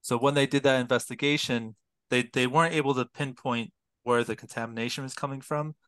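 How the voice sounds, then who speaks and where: A young man on a video call explains his research through a headset, careful and detailed, often pausing on fillers. His voice is bright and crisp. The sound is dry and close. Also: mid-range voice, steady tone, no echo. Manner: detailed, precise, many fillers and restarts. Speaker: public health PhD student, guest. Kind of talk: explanatory interview talk.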